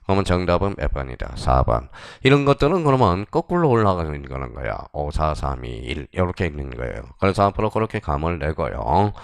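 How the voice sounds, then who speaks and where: A male exam-prep lecturer with a low, gravelly voice that still rises and falls a lot as he drills the class. He fires short questions and answers them himself. The sound is dry and close. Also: big pitch swings, a little fast, hardly any pauses, no echo.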